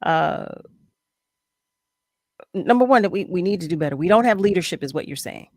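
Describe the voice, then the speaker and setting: A woman's voice: lowish voice, animated, fairly quick, no echo. A woman hosting a talk show keeps pressing her guest and rephrases her questions with care. Her voice is close and dry, with no room sound. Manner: probing, careful, repeats questions. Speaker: radio talk show host. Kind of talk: casual radio interview.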